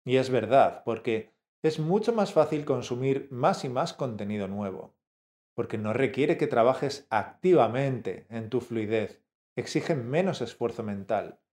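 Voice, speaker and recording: A man co-hosting a language lesson, measured and explanatory, speaking straight to the learner. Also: medium pitch, lively intonation, darkish tone. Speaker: language teacher, co-host.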